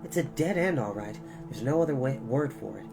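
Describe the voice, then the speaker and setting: A man's voice: medium pitch, expressive, fairly quick, vocal fry, music in the background. A man voicing a worried orphan boy from a storybook, speaking in a grim, matter-of-fact way.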